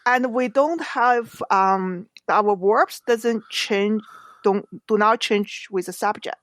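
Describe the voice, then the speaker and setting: A woman's voice: medium pitch, slow pace, dry recording. A middle-aged woman with a Chinese accent, a non-native English speaker whose first language is Chinese, explaining things earnestly with examples as an author guest on a podcast. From China. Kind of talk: podcast interview.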